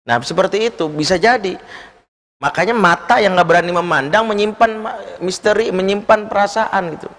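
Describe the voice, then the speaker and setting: A man's voice: sits high, brisk. Man preaching in a reverberant hall. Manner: lively storytelling, acts out quoted voices. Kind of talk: sermon with told stories. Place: large mosque hall.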